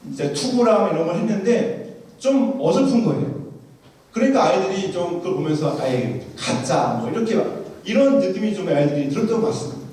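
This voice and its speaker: A man preaching in a large church, his high voice ringing through a very echoey hall. He sounds set back from the microphone, and he tells his story vividly, acting out what the people in it said. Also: mellow, recorded from a distance. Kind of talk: sermon with storytelling.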